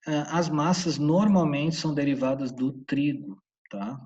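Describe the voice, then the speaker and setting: A man from Santa Catarina, Brazil, with a Brazilian Portuguese accent, teaching a casual English lesson and repeating the English words slowly, in a husky voice. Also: a little high, a little mellow. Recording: dull, distant room mic.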